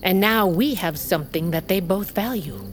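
An actress playing a stern, ruthless tribal queen who speaks in a measured, commanding way in an audio drama. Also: medium pitch, natural voice. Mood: ruthless, menacing. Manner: imperious, measured. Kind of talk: dramatic audio fiction acting.

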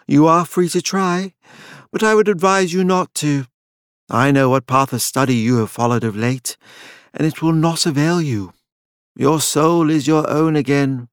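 Man voicing a coolly commanding gentleman sorcerer, raised pitch. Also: clear, resonant tone, dry recording, studio quality, close to an everyday voice. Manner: formal, clipped, superior.

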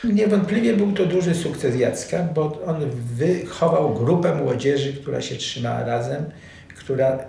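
A man's voice: measured pace, vocal fry, dark tone. A man giving reflective interview commentary on the past, recorded in a roomy space. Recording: roomy, noisy sound with rumble.

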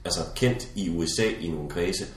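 Man, low voice, casual chat, lively storyteller, echoey room. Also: far from the mic.

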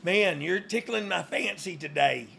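A man's voice: high-pitched, a little slow, creaky, sharp tone, slightly rough. A man co-hosting casual comedic banter in a jokey, self-deprecating way, with some background noise. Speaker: co-host.

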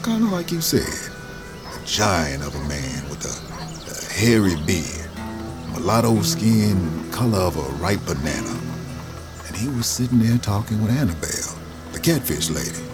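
A man's voice: on the low side, big pitch swings, unhurried, over music. A man giving reflective, scripted first-person narration in a storytelling drawl.

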